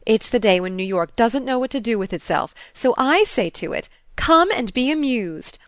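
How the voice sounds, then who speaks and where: A loud, round-voiced older society hostess, as a woman reader puts her on, gushing and brash as she sweeps everyone into her circle. Her voice sits higher and louder than the reader's own, rolling out warmly in a dry, close audiobook recording. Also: animated, moderate pace, dry recording. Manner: effusive, brash, hail-fellow. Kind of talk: audiobook character voice.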